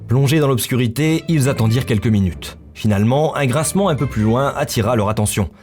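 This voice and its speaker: A man's voice: medium pitch, a little fast, darkish tone. A man narrating a scripted story in literary prose as the narrator of a visual novel. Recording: music bed under the voice.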